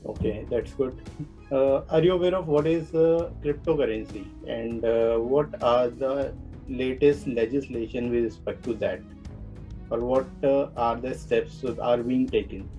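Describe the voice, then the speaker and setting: An Indian-accented man conducts a formal interview in a medium-pitched voice with a mellow tone. He puts questions to a candidate as the interviewer. Faint music plays behind him. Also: measured pace, muffled recording.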